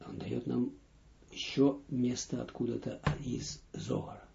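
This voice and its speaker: A man teaching a text line by line, reading phrases aloud, translating and repeating them slowly for his students. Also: mid-range voice, steady tone, vocal fry, dark tone, slight background noise. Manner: slow, deliberate, dictating with pauses. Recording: dull lo-fi audio recording.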